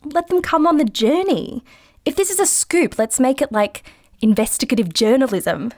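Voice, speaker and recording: Eager British female co-host, slightly high voice, dry teasing banter, naturalistic audio drama over music. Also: animated, moderate pace, darkish tone. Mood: persuasive. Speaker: podcast co-host.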